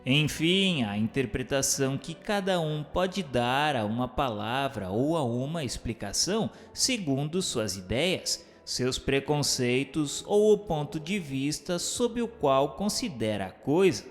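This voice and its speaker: A man's voice: medium pitch, animated, a little slow, few pauses. A man narrates a radio drama from a script, with a mid-range voice. His delivery is formal and declamatory, and music plays behind him. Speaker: narrator and questioner.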